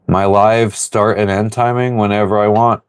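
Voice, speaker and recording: A man hosting a casual livestream from his sailboat, reading viewer comments aloud and rambling through relaxed answers. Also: on the low side, moderate pace, clean tone. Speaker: livestream host answering chat. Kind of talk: casual live chat. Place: on board a sailboat.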